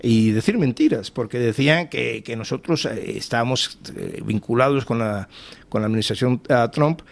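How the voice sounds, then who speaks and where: A man's voice: medium pitch, moderate pace, creaky. Cuban-born man searching for words. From Cuba. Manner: searches for words, laughs easily. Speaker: think-tank guest. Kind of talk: casual radio panel talk.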